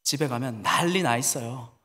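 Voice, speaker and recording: A man voicing an anxious middle-aged woman church deaconess, retelling her words in an excited, pleading tone. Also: medium pitch, normal speed, big-room sound, close to an everyday voice. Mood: distressed.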